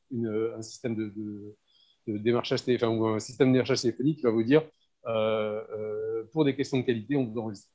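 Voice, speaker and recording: A man with a French accent moderating and relaying questions, haltingly repeating words as he searches for phrasing. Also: mid-range voice, warm tone. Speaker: moderator and interpreter. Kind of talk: relaying questions and explaining informally. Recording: dull, lo-fi audio.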